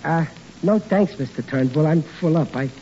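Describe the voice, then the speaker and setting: A stammery working-class groom, high voice, bad grammar, dull old radio sound with hiss. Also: male voice, expressive, normal speed, mellow. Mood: bumbling. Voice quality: rough, ungrammatical, stammering. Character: bumbling working-class man Riley, young groom. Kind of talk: 1940s radio comedy acting.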